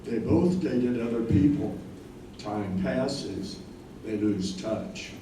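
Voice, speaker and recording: A man's voice: mid-range voice, slow, warm tone. A man narrating in a staged play reading, delivering scripted stage directions. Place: live staged reading in a room. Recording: very echoey room, distant mic, faint noise.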